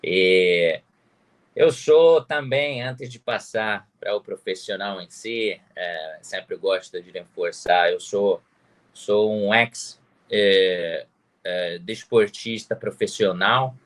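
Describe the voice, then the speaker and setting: A man's voice: on the low side, slow pace. A man from Italy with an Italian accent, speaking a second language casually as an interview guest. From Pisa, Tuscany, Italy. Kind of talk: casual introduction in an online interview.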